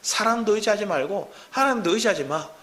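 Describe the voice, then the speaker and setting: A pastor voicing mocking enemy soldiers who taunt a besieged people in a scornful, jeering tone. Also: male voice, sits high, animated, fairly quick, a bit bright.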